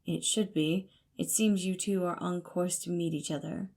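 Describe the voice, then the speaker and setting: A steady, practical guide in an audio drama , voiced by a woman. The tone is measured and reassuring, slightly low, with noticeable fry. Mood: calm, practical.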